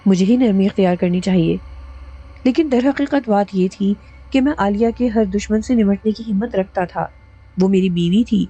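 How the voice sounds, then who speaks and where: A woman reads a horror novel aloud in a steady, dramatic storytelling manner. Her voice is mellow and dark in tone. The recording is close and dry, with no room sound. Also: mid-range voice, husky, no echo. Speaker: audiobook narrator. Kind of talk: scripted horror audiobook narration.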